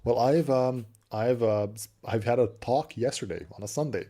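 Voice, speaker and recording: A man's voice: mid-range voice, normal speed, dark tone. A man with a Serbian accent, a native Serbian speaker, co-hosting a casual tech stream. He chats loosely, laughs often, and repeats words while he hunts for the right one.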